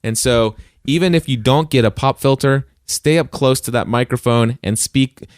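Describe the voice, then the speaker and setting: A man's voice: mid-range voice, normal speed, no echo. A man hosting a podcast, giving casual how-to advice close on a studio mic with enthusiasm. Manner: enthusiastic, demonstrates with sounds. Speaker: podcast host.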